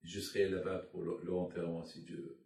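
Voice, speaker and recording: Un homme d'âge mûr, rabbin fatigué, prêche par appel vidéo avec des hésitations et des répétitions ferventes, le son lointain et résonnant. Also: male voice, low voice, flat delivery, darkish tone. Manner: halting, repetitive, heartfelt preaching. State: tired. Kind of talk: sermon over a video call. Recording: echoey, distant video call audio.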